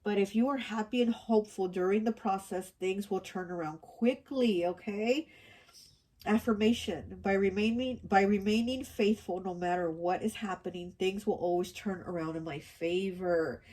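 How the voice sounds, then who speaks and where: A woman's voice: medium pitch, normal speed, a little mellow. A woman giving a casual tarot card reading, rambling with many fillers and restarts, her voice stuffy and nasal from allergies. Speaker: tarot reader.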